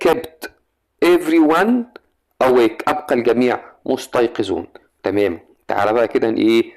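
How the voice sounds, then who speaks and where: A man's voice: mid-range voice, a little mellow. A young man with an Egyptian Arabic accent, an English teacher giving a chatty exam grammar lesson and asking the student questions.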